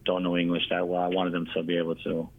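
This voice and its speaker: This American man speaks in a deep, flat voice and talks fast. He's a guest on an interview, chatting casually and earnestly, rambling a bit and dropping "you know" often. The sound comes through a thin, tinny line.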